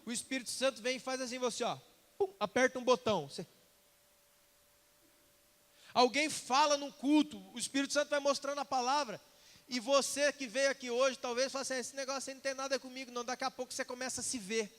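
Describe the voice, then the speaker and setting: A man preaching a sermon, lively and conversational, acting out little dialogues and asking the congregation questions. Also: very high voice, fairly quick, in a large hall. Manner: animated, acts out quoted dialogue, asks congregation questions. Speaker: pastor. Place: church sanctuary.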